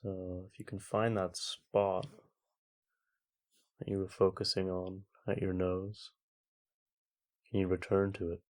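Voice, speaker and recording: A man with a fairly low voice guides a meditation. His delivery is very slow and flat in melody, with long gaps between gentle instructions. He sounds like a calm teacher talking a group through their practice.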